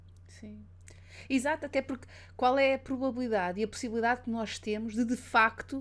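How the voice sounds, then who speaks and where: In a very clean recording with a silent background, a woman talks at a fairly quick pace with fairly high pitch and fairly even intonation. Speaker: podcast host. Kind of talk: interview conversation.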